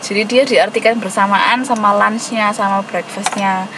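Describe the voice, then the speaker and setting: A woman with a Javanese accent teaches an English class, explaining grammar patiently at an easy pace. Her voice sits at a middle pitch. A clear hum of air conditioning runs behind her. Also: fairly even intonation, moderate pace. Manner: patient explaining, mixing English terms in, light laughs. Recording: noisy room with air conditioning.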